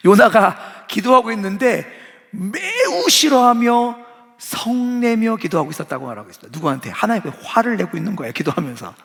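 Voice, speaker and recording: A man delivers a sermon in a church sanctuary, his voice a touch high and gravelly. He talks conversationally and keeps asking the congregation questions. A long hall reverb trails every phrase. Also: very animated, fairly quick, a bit bright. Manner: conversational, asks the audience questions. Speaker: pastor.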